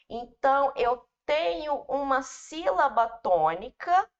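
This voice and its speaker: Casting: Brazilian woman teacher, patient and informal with students, unhurried delivery, muffled lo-fi sound. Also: sits high. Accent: Brazilian Portuguese. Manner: addresses students informally, explains patiently with repetition. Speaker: English teacher. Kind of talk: slow, step-by-step grammar lesson. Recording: dull, lo-fi recording.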